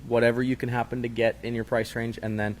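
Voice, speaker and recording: Man, casual co-host, joking asides, mid-pitched voice, faint noise behind. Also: little pitch movement. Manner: easygoing, joking, quick asides. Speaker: co-host reading viewer questions. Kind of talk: casual chat.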